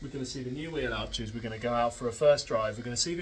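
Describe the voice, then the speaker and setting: Talking at a very fast pace in an English accent, a man with a medium pitch and ordinary pitch variation is heard with audible room echo and noticeable background noise. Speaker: amateur racing driver and channel host. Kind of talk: casual vlog to camera. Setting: garage. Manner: animated.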